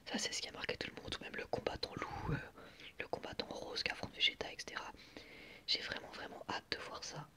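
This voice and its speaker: A young man whispering in a breathy, unvoiced voice as he gives ASMR commentary in a reflective, hesitant, rambling way. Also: a little fast. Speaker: ASMR video creator.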